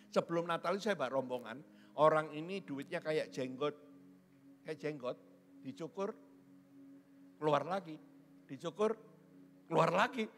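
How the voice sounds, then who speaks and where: A man's voice: a little high, fairly bright tone, a little hiss or hum. A middle-aged man preaching a sermon as a pastor, joking and teasing his congregation. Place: church hall. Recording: church hall with long reverb.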